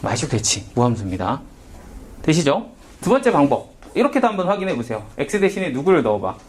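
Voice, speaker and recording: Lively man teaching math. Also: fairly high pitch, a little fast, a little hiss or hum. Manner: lively, questioning, asks and answers himself. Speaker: math tutor. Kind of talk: whiteboard math lecture.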